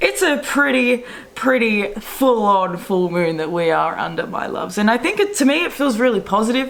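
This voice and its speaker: Over noticeable background noise, a woman with an Australian accent speaks at a moderate pace, her fairly high pitch moving in very wide swings. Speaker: astrologer and tarot reader. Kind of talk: astrology reading to camera. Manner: casual, warm; halting, jumbles words.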